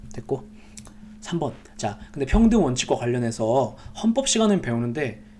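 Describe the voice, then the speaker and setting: Pausing long and often, a man talks with noticeable background noise behind him. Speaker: administrative law lecturer. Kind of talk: lecture. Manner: fast; animated.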